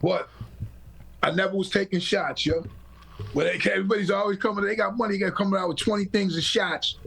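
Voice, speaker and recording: Gravelly-voiced man telling stories. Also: high-pitched, steady tone, quick pace, a bit bright. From Boston, Massachusetts. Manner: rambling, storytelling with quoted voices. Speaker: podcast host. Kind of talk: casual podcast chat.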